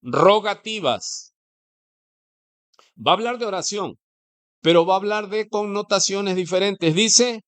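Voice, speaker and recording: A male preacher with a Mexican Spanish accent delivers a sermon in a church. His voice sits somewhat high for a man. He talks conversationally and keeps posing rhetorical questions to the congregation. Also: fairly bright tone.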